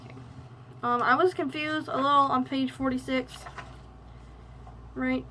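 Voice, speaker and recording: A young woman with a slightly high voice reads a novel aloud in a steady, monotone way, then breaks off to chat about it. She stumbles and restarts now and then. A faint hiss of background noise sits under the recording. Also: unhurried, poor audio. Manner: monotone delivery. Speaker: book reviewer. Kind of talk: reading aloud and casual book review.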